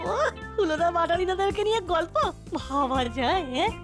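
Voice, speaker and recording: A woman's voice: extremely high pitch, lively intonation, moderate pace. A woman voicing a gleefully meddling little sidekick kid in a comedy cartoon. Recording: music behind the voice.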